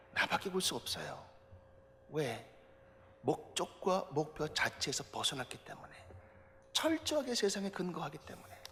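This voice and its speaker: A male pastor preaching a sermon in a church, firing off rhetorical questions and building up to loud, emphatic passages. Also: high-pitched, slight background noise. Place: church sanctuary. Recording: long church hall reverb.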